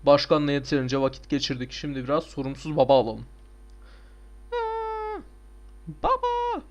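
A young man giving casual, excitable gameplay commentary, swearing and shouting at the game. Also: mid-range voice, quick pace. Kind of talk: casual let's play commentary.

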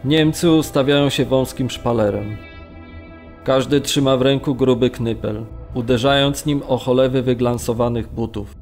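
A man acting a camp prisoner in a radio drama, narrating gravely and with measured restraint, as testimony. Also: medium pitch, darkish tone, faint music behind, lightly acted. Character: male Polish camp prisoner recalling brutality, grave, restrained. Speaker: narrator reading witness testimony.

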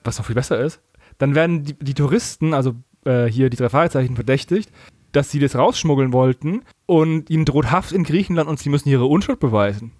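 A man's voice: a little high, brisk, a little mellow, dry recording, clean studio sound. A man co-hosting a podcast in casual, conversational chat. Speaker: podcast co-host.

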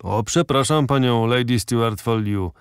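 A man reading an audiobook, voicing a polite, eager gentleman captain who speaks up brightly. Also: mid-range voice, unhurried, clean tone, dry recording, studio quality, lightly acted. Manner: courteous, eager, exclaiming.

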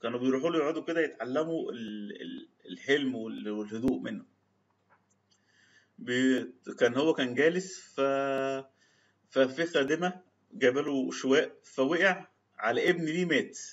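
This is a man of medium pitch speaking at a moderate pace, giving a religious talk in an Egyptian Arabic accent. He recounts old anecdotes and recites classical Arabic quotes, recorded with slightly dull lo-fi quality.

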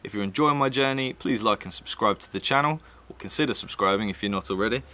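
A man's voice: lowish voice, fast talker, bright, forceful tone. A man with a nasal voice, chatting casually to camera in a rambling vlog with plenty of fillers. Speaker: vlogger.

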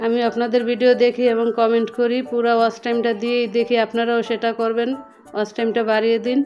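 A woman's voice: on the high side, completely flat delivery, fast talker, a little mellow, highs cut off. A woman with a Bangladeshi accent giving a casual voice-over for a home vlog. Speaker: home vlogger. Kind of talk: casual voice-over narration of a daily cooking vlog. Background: background music.

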